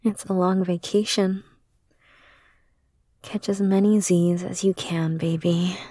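A woman whispers in a soft, soothing ASMR roleplay, close to the microphone. Her voice is low, breathy and mellow, and she takes her time over every word. The sound is dry and intimate. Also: fairly even intonation, takes it slowly, dry recording.

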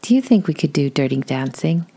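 A woman whispering the lines of an excited sister, in a low, raspy voice. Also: fairly quick. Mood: eager. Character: excited young adult sister.

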